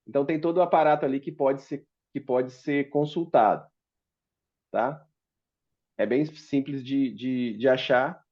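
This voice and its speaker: A startup founder gives a panel presentation in a meeting room at a public forum, speaking hesitantly with lots of fillers and restarts. His voice is mid-range and measured in pace, and the recording sounds muffled.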